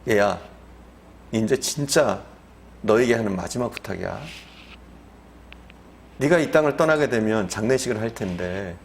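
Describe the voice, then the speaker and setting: A man's voice: on the low side, lively intonation, a little slow, gravelly, pauses often, slight background noise. A man voicing the Lord in a sermon story, speaking tenderly and coaxingly, as if to a child. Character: the Lord, a gentle fatherly male voice. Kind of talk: acted quote within a sermon.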